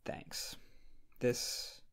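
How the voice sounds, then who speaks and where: A man playing a needy, flustered young friend in an intimate ASMR roleplay, speaking softly and hesitantly in a creaky voice. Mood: coaxing, grateful. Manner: hesitant, slow, halting, sheepish. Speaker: roleplay audio creator playing a character. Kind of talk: wholesome ASMR roleplay acting, intimate one-sided dialogue.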